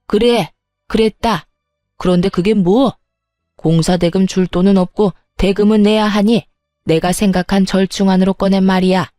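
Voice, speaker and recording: A woman voicing a scheming older mother-in-law who speaks in a haughty, slow and deliberate way. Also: medium pitch, fairly even intonation, dark tone, dry recording, clean studio sound, faint music behind, lightly acted.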